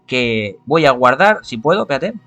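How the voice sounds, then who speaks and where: A man's voice: medium pitch, very animated, normal speed, pushed and bright, soft background music. A man playing a visual novel, reading it aloud, correcting himself and adding joking asides. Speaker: gameplay narrator.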